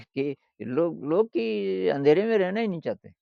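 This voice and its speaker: An older man with a gravelly voice tells his life story slowly and reflectively, often repeating words for effect. The recording is dry and close, with a slightly dull, lo-fi sound. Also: high-pitched, lively intonation, dry recording.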